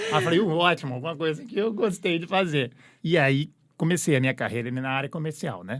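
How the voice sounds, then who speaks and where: In a São Paulo accent, a man with a fairly high pitch talks at a fairly quick pace with lively intonation. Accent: São Paulo (paulista). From São Paulo state, Brazil (Guarulhos). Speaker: food company CEO, entrepreneur. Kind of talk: podcast interview. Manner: animated.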